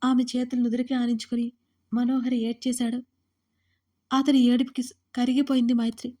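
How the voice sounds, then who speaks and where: A woman narrating a serialized audio drama in a steady, expressive manner. Her voice is fairly high for a woman, with a warm and mellow tone. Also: normal speed. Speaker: storyteller. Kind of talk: scripted audio-story narration.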